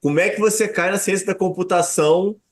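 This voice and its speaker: A man's voice: high voice, fairly quick. Stammering male podcast host. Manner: stammering repeated words, skeptical follow-up questions. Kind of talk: casual interview chat.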